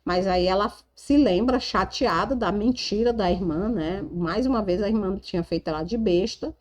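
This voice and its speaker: A woman's voice: mid-range voice, normal speed. A woman with a Brazilian Portuguese accent retelling a romance novel in a chatty, casual way, full of tag questions. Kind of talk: casual storytelling.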